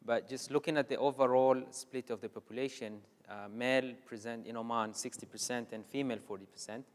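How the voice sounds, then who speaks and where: A man speaking on a panel, measured and hesitant with many fillers, in a conference hall. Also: medium pitch, steady tone. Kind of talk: panel discussion.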